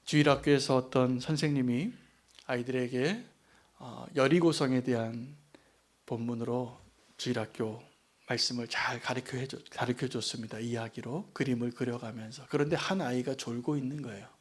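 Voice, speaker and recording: A middle-aged man preaching a Sunday sermon as pastor, earnest, rising to emphatic peaks and dropping soft on asides. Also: mid-range voice, fairly even intonation, moderate pace.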